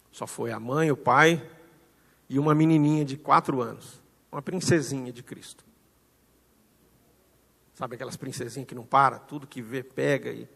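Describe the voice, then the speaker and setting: A man with a Brazilian Portuguese accent preaching a sermon, telling a story and acting out the dialogue with swings in loudness. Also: medium pitch, creaky, long reverb tail. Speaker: pastor. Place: church hall.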